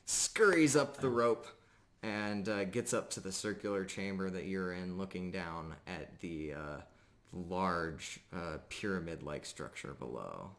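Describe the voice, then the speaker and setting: A man narrating a live tabletop game as game master, casual and pausing often as he goes. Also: sits low, fairly bright tone, slight background noise.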